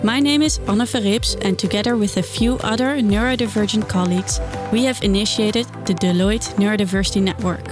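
A woman's voice: medium pitch, a little fast, hardly any pauses. Woman reading a podcast intro over music. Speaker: podcast host. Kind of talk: scripted intro.

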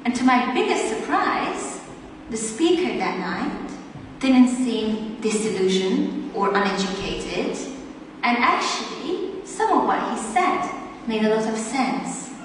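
A woman's voice: a little high, very animated, slow pace, a little hiss or hum. A woman in her thirties from Hungary, candidly and reflectively telling her own story as a personal testimony. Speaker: testimony speaker. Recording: echoey hall, voice from far off.

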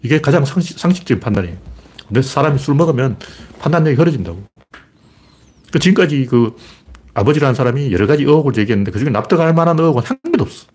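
Husky fast-talking man ranting bluntly. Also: mid-range voice, lively intonation, a little mellow. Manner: blunt, ranting, fires rhetorical questions. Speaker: political commentator. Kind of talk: casual monologue commentary.

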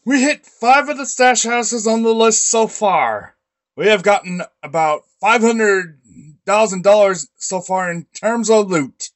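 A troop leader gives a businesslike report as acted by a man for a demo reel. The voice is high for a man and moves slowly, in an orderly reporting manner. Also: expressive. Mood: matter-of-fact. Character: male troop leader reporting on raids and loot.

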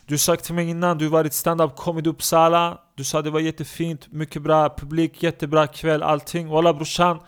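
A man voicing a boastful young man who is quick to insult others, talking bluntly in broken street Swedish in a comedy podcast sketch. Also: a little high, little pitch movement, clear, resonant tone, close to an everyday voice. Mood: effusive.

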